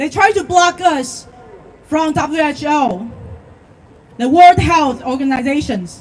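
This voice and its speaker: With a Chinese accent, the speaker goes at a very slow pace with long, frequent pauses over noticeable background noise. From Taiwan. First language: Mandarin Chinese. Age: young. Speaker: student activist. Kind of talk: rally speech.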